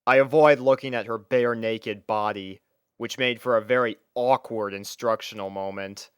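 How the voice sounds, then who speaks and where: A man's voice: medium pitch, steady tone, normal speed, clear, resonant tone, no echo, studio quality. A young man reading a scripted first-person story as its narrator.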